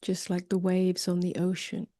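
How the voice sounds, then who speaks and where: A woman meditation teacher leading a guided meditation softly and gently, often drifting toward a whisper, with long pauses. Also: on the low side, completely flat delivery, dry recording, studio quality. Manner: soft, breathy delivery drifting toward a whisper.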